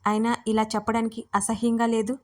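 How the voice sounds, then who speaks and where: A woman voicing a young married woman who speaks firmly with sharp questions in a Telugu audio story. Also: on the high side, level tone, brisk, lightly acted. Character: young married woman, guarded then angry.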